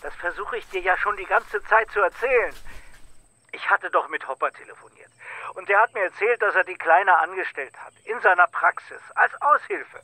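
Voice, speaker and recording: High, very bright, insistent sidekick. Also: male voice, expressive, normal speed, full character voice, poor audio. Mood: exasperated. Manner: insistent, exasperated. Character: exasperated male millionaire friend of the hero. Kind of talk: horror audio drama acting.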